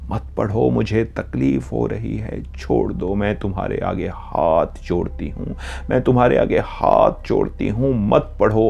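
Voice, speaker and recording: A man narrating a first-person horror story in a measured, dramatic way, dropping into hushed tones at tense moments. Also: medium pitch. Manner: measured, hushing to near whispers in tense moments.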